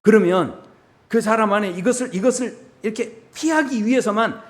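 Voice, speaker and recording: A man preaching a sermon as pastor, telling a story with acted-out lines and asking the congregation questions. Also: moderate pace. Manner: animated storytelling, acting out dialogue in a low voice.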